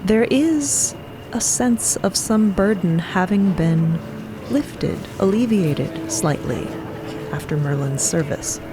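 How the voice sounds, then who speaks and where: A woman narrating a fiction podcast descriptively in the present tense, deliberate and measured, pausing between phrases. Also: medium pitch, expressive, background noise. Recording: music bed behind narration.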